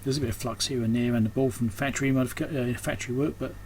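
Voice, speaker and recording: Talking very fast, this electronics repairer and video host keeps up unscripted, casual commentary during hands-on repairs at his indoor workbench, often breaking off mid-thought as he thinks aloud. His voice is mid-range, steady, and a little mellow. There's clear background noise and room ambience.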